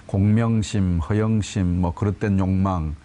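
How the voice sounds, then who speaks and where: A man commenting on politics as a panelist, formal and measured, pausing between phrases. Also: deep voice, steady tone, warm tone.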